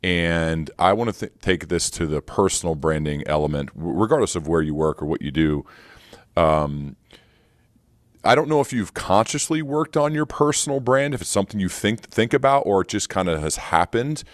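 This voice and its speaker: A man's voice: sits low, animated, normal speed, no echo, clean studio sound. A man interviewing a guest as podcast host, asking long, winding questions in a conversational style.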